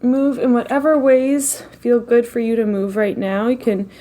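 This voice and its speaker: A woman leading a slow guided meditation in a gentle, unhurried way, with long pauses between phrases. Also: fairly high pitch.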